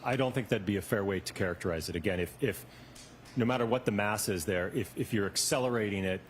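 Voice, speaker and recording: A man's voice: lowish voice, fast, a little hiss or hum. A man testifying as an expert witness, giving careful, hedged answers with small restarts, heard in a courtroom recording.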